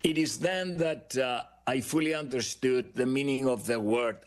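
An older man with a Greek Cypriot accent speaks in a measured, reflective way. He tells his story as an interview guest, pausing often to gather his thoughts, his pitch sitting at an ordinary middle height. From Cyprus. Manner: measured, reflective, frequent "uh" pauses. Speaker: guest, author. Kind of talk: interview answers, life story.

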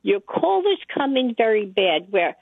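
A woman's voice: medium pitch, sing-song, a little slow, vocal fry, no room sound. A very old woman caller chatting politely on a radio phone-in, asking simple questions. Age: elderly, very old. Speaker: call-in listener. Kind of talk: casual radio phone-in chat. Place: phone call to radio show. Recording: tinny radio phone-line call.

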